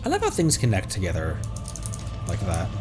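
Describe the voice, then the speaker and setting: A man streaming a video game, giving commentary and reading in-game text aloud, sometimes halting and repeating words as he goes. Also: sits low, huge pitch swings. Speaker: streamer, host of a gaming livestream. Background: game music.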